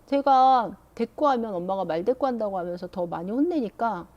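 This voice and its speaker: A woman voicing a resentful teenage girl who is annoyed at being scolded alongside her sister, speaking in a slow, aggrieved complaining way. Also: mid-range voice, lively intonation, a little mellow, muffled recording, natural voice.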